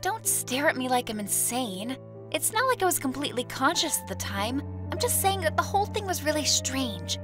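A woman playing a shaken, earnest young woman in an audio drama, speaking haltingly and hesitantly. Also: high-pitched, very animated, music in the background. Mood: insistent, wondering. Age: young adult.

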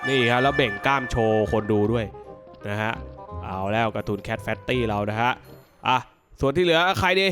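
A man hosting a gaming video, giving excited gameplay commentary full of exclamations as he reacts aloud to the action. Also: medium pitch, a little fast, faint music behind.

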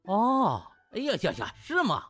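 A man voicing a smug young male trainee doctor in an audiobook, teasing and mock-polite with drawn-out interjections. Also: high-pitched, wildly swooping pitch, sharp tone, voice pushed up, heavily acted. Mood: mocking, gleeful. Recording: music bed behind.

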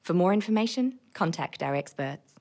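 A young woman delivers a scripted voice-over in a fairly low register. She is recorded close on a studio mic, reading in the manner of commercials and narration. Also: animated, normal speed, darkish tone. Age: young adult. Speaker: voice-over artist. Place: recording studio vocal booth, indoors. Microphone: large studio condenser with pop filter, close.

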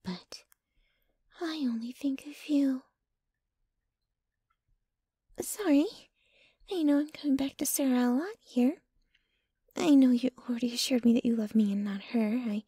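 A woman's voice: fairly high pitch, moderate pace, mellow, dry recording. A woman playing a jealous, possessive, dominant yet clingy young girlfriend in an intimate, whispery ASMR roleplay, close to the microphone. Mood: apologetic, pleading. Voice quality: breathy, whispery. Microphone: close microphone, dry.

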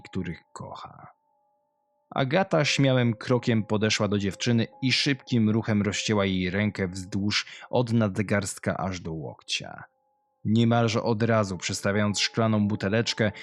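Man, deep-leaning voice, scripted horror narration, music in the background. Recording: low music behind, compressed audio.

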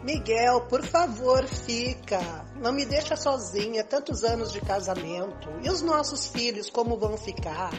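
An insistent, jealous Brazilian wife of many years, acted by an older woman. Her fairly high voice plays out a radio soap over clear background music. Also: expressive, moderate pace, few pauses, close to an everyday voice. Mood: pleading. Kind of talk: amateur radio soap acting.

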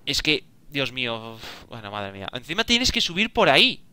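A young man giving casual, excitable gameplay commentary, talking to himself and exclaiming often. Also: mid-range voice, moderate pace, slight background noise. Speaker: gaming video creator.

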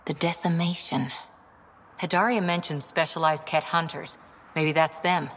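A determined soldier lieutenant. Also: female voice, low voice, steady tone, unhurried, a little hiss or hum. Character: tough female military lieutenant, driven and loyal. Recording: game audio with soft music behind.

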